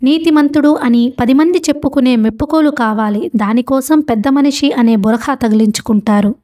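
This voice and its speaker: A woman's voice: sits high, normal speed, warm tone, close to an everyday voice. A woman voicing a tall young man in a storybook reading, accusing and reproachful. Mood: angry.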